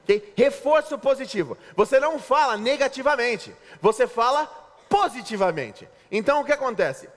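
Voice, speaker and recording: Lively joking Brazilian pastor in a hall. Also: male voice, extremely high pitch, moderate pace. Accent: Brazilian Portuguese. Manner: lively, joking preacher acting out spouses' lines. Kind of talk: sermon. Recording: reverberant hall.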